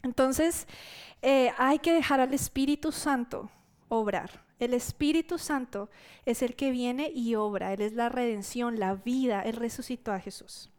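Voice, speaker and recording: A woman preacher tells a testimony to her church, her voice smooth and resonant and set a little high. She tells the story in a lively way and acts out what people said. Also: a little slow.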